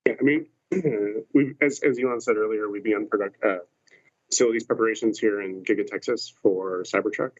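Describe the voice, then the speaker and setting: A male executive giving an unscripted business update on an earnings call, pausing often as he goes. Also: on the low side. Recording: slightly muffled conference call audio.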